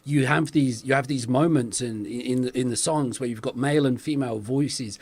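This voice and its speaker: A man hosting an interview podcast, casual and relaxed, affirming his guest and thinking aloud. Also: medium pitch, moderate pace, slightly rough. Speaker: podcast host.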